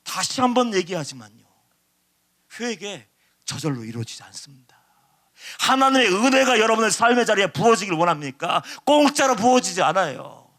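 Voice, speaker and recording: A man preaching a sermon as pastor, impassioned and dramatic, acting out shouted pleas. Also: sits high.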